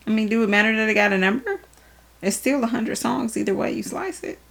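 This podcast co-host is a young adult woman who talks fast, with a fairly high, gravelly voice. Her casual chat is easygoing and full of slang.

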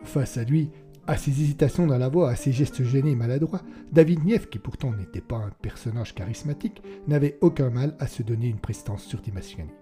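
A man narrating an audiobook in a calm, measured storytelling manner. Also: medium pitch, soft background music.

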